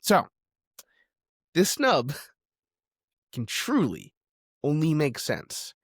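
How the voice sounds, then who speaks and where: A man delivering an opinionated video essay, stressing key words emphatically and pausing for effect. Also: on the high side, wildly swooping pitch, breathy edge, dry recording, clean studio sound.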